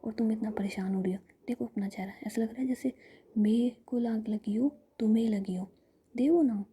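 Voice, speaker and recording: A woman's voice: a little high, normal speed, mellow, husky. A woman whispering the lines of a cheerful, stubborn young woman who plays down her own injury in a told story. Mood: coaxing. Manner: whispered, coaxing.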